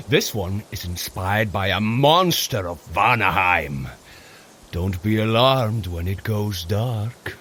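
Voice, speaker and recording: An actor playing a boisterous, cheerful Norse warrior god in an audio drama, with theatrical, grand old-fashioned phrasing. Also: male voice, fairly low pitch, bright, forceful tone, slight background noise, full character voice. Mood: gleeful warning.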